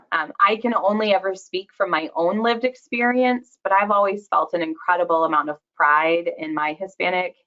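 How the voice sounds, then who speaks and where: A woman hosting a webinar conversation, upbeat and welcoming to her guests. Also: lowish voice. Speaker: webinar host. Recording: dull lo-fi audio.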